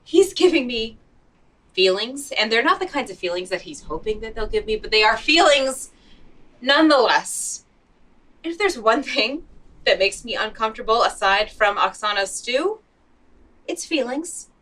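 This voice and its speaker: A woman's voice: a little high, expressive, normal speed, fairly bright tone, distant mic. An actress playing a blunt, sardonic, exasperated woman in a comedy audio drama. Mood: flustered, annoyed.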